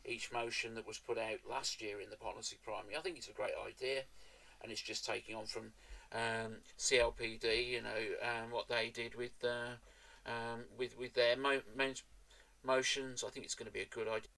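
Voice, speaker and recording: Man guest on a panel, bright sharp voice, mid pitch, bit halting. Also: flat delivery, vocal fry, low-quality recording. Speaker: guest, political activist. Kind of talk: conversational panel talk.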